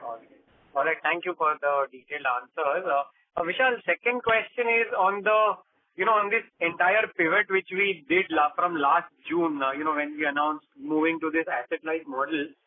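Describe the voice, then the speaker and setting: A man's voice: a little high, normal speed. A man, a financial analyst, asking questions on a conference call in a rambling way with lots of fillers. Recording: dry tinny phone line.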